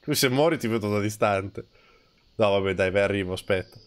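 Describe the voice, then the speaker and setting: A man's voice: fairly low pitch, a little fast. A man streaming a co-op horror game, bantering and teasing his partner. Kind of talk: casual gaming chat.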